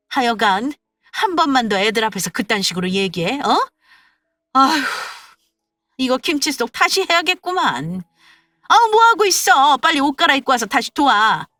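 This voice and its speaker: A fierce older mother, as a woman reads her part, doting on her son-in-law and sharp-tongued in an argument. Her voice sits fairly high and carries. The sound is dry, with faint music beneath. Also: dry recording. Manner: coaxing, then sharp and scolding.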